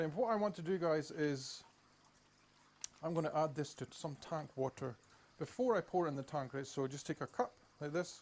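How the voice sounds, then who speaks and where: Speaking in a Scottish accent, a man with a fairly high pitch keeps a moderate pace and lively intonation, with long, frequent pauses. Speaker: aquarium hobbyist youtuber. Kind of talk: tutorial. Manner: slurs words.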